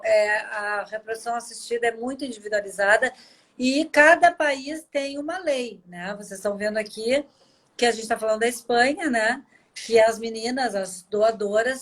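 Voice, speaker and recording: A Brazilian woman in her forties hosting a live video chat, telling personal stories with emotion. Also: a little high. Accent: Brazilian Portuguese. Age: 40s. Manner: emotional storytelling, warm and chatty. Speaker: host. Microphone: video call.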